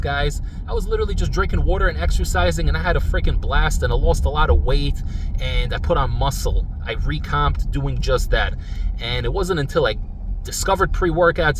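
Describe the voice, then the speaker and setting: Mid-30s guy vlogging while he drives, kinda far from the mic, road noise loud behind him. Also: a little high. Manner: rambling, earnest, says "guys" often. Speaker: supplement review channel host. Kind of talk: casual vlog talk to viewers. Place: in a car while driving. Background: car and traffic noise.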